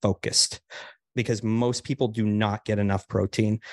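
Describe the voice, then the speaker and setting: A man of medium pitch speaks at a moderate pace, the sound dry and close with no echo against a quiet background. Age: 50s. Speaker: entrepreneur and former teacher. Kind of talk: podcast interview.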